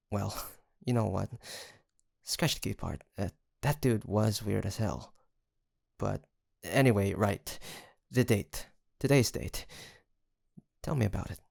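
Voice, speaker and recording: A man's voice: lowish voice, creaky, a little mellow, no echo, clean studio sound. A man playing a sweet young male roommate and best friend in an intimate roleplay audio, teasing and chatty with a playful storytelling streak. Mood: amused, teasing. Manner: teasing, chuckling, mock-grandiose storyteller.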